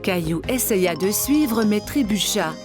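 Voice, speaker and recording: A woman narrating a scripted children's cartoon story in simple, clear phrases. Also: mid-range voice, animated, measured pace, lightly acted. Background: background music.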